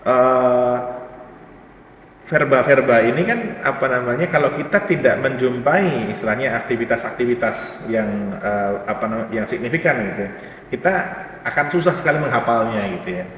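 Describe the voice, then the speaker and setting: A man who is a company CEO, speaking as an interview guest and explaining at length. He talks casually and pauses often, searching for his words. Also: mid-range voice, a bit bright, slight background noise. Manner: thoughtful, many pauses and fillers. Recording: reverberant room, distant mic, faint ambience.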